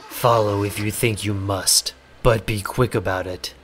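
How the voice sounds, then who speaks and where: A man's voice: fairly low pitch, fairly even intonation, unhurried, a bit bright, a little hiss or hum. An actor playing a cold, proud man in an audio drama, clipped and threatening with contained fury. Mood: icy, curt.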